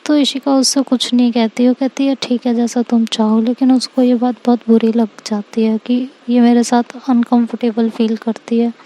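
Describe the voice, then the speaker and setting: Calm, even-toned woman storyteller. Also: a little high, normal speed, hardly any pauses, low-quality recording. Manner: calm, even retelling with frequent linking fillers. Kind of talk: story narration.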